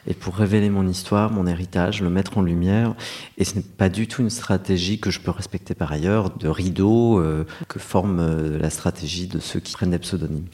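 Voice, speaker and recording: A middle-aged male novelist with a deep, low-pitched voice. He speaks reflectively and earnestly in an interview, often pausing with hesitations as he gathers his thoughts. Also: fairly even intonation, warm tone. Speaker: novelist guest. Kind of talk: interview conversation.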